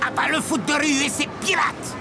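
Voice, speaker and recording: A man's voice: very high-pitched, steady tone, moderate pace, vocal fry, music in the background. A man voicing a pompous cartoon leader of zealous citizens, speaking in rousing declarations. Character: pompous male leader of zealous civic crusaders. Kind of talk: animated series acting.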